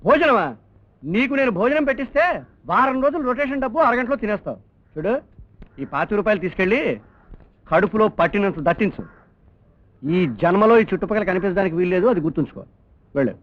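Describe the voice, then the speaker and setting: A man in a film scene, teasing and full of wordplay, giving lines in quick comic dialogue. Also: high voice, lively intonation. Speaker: scheming elderly guardian in a comedy film. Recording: dull lo-fi film audio with music.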